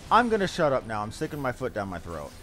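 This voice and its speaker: A man's voice: mid-range voice, huge pitch swings, fast, a bit bright. A man giving casual live commentary as he streams a game, reading on-screen text aloud and swearing mildly.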